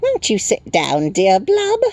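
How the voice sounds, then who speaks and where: A man's voice: high-pitched, huge pitch swings, slow pace, a little mellow, voice pushed up, exaggerated voice. A man voicing a tiny, polite little creature, chirping and twittering with formal courtesy. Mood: courteous, welcoming.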